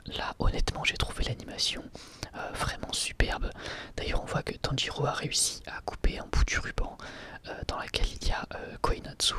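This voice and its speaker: A man whispering an ASMR review in French, hesitant and thinking aloud as he goes. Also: a little fast. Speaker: host reviewing an anime episode.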